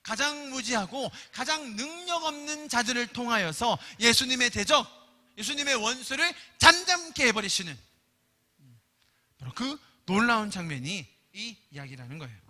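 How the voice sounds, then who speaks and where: Lively high-voiced male pastor in a hall. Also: moderate pace. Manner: animated storytelling, acts out voices. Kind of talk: Korean sermon. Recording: reverberant church hall.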